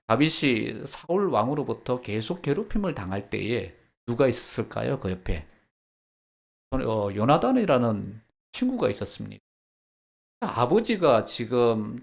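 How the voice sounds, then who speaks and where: A man's voice: mid-range voice, gravelly. A man preaching a sermon as pastor, acting out quoted lines and leading the congregation through practice. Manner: lively, acts out quoted dialogue, leads the congregation in practice.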